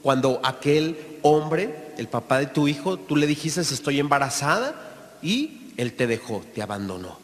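A man's voice: on the high side, expressive, measured pace, hardly any pauses. A man with a Mexican accent giving an earnest talk to an audience as a Catholic lay speaker, acting out the people in his stories. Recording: long hall reverb.

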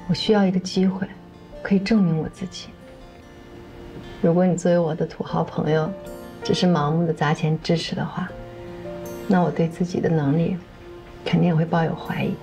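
A woman's voice: on the low side, gravelly, dark tone. An actress in her thirties playing a sincere, self-reliant woman in naturalistic TV drama dialogue. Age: 30s. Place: indoor dining room, quiet. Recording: faint music behind.

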